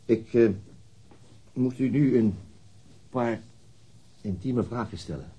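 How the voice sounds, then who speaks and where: An actor playing a police detective in a radio drama, asking probing questions in a formal, hesitant, husky manner. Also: male voice, mid-range voice, slow pace, mellow. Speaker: police interrogator. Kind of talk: radio drama interrogation acting.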